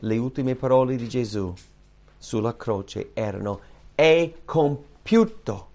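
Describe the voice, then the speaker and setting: A man preaching a sermon with impassioned, repeated rhetorical questions that swing from loud high outbursts to hushed low tones. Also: fairly even intonation, unhurried. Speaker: pastor.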